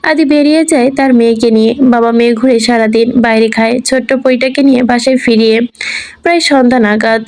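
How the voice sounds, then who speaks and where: A woman narrating a romantic story in an even, unhurried reading voice. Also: a little high. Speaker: story reader. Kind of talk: scripted narration.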